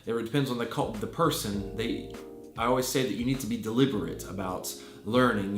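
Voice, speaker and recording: American guy in his 30s, teacher talking earnestly in an echoey room, soft music underneath. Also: lowish voice. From Virginia, USA. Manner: earnest, thoughtful, with frequent fillers and restarts. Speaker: English teacher. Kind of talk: unscripted interview answers.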